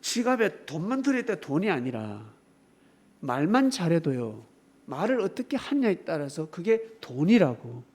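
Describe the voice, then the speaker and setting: Preaching at a moderate pace, a pastor with a high-leaning voice and big pitch swings shifts between booming exclamations and gentler asides. His emphatic sermon is full of rhetorical questions for the congregation.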